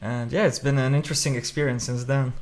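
A man from Lebanon, a musician, talks as a guest in a radio interview. His pitch is mid-range for a man. He speaks thoughtfully and often pauses to find the right words. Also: fairly even intonation. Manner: reflective, searching for words.

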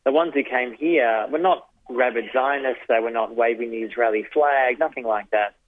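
A man from Australia, a journalist and author, gives thoughtful interview answers in short phrases. His voice is medium-pitched at a moderate pace with no echo, though the recording has a dry, tinny phone-line sound.

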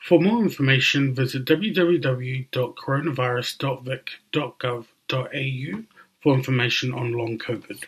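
A man hosting a podcast, reading his scripted introductions and info notes in a clear, measured way. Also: medium pitch, a bit bright, poor audio. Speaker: podcast host. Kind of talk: scripted host narration. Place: radio studio.

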